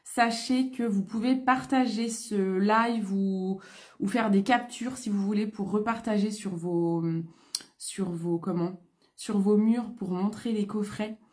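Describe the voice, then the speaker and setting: A French beauty consultant selling online hosts a casual live stream, chatting and greeting viewers by name, her throat congested from an oncoming cold. Her voice is medium-pitched, slow and slightly dark, with fairly even intonation.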